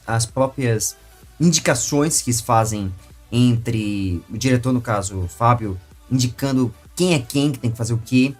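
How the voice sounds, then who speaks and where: A husky-voiced Brazilian man works as an interviewer and makes long, casual comments. His mid-range phrasing stalls and then bursts into emphasis, with faint music playing behind him.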